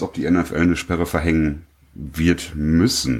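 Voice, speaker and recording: A man speaks at a very slow pace. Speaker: podcast co-host. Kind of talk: casual chat. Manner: hesitant, many fillers.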